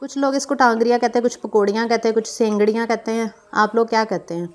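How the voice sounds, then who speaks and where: A woman's voice: fairly high pitch, fairly even intonation, fast talker. A young woman from Pakistan, narrating her cooking vlog in a chatty, meandering way full of fillers and self-corrections. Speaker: cooking vlogger.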